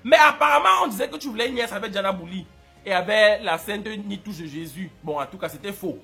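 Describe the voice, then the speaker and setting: A man doing comic commentary as a YouTuber, excitable and mock-adoring, breaking into shouts. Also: high voice, fairly quick, creaky, soft background music.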